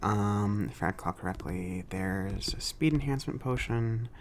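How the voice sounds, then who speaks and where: A man playing a friendly, awkward mage shopkeeper in an ASMR roleplay, speaking softly and haltingly, often near a whisper. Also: fairly low pitch, slight background noise, natural voice. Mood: helpful, relaxed. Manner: hesitant, halting, casual.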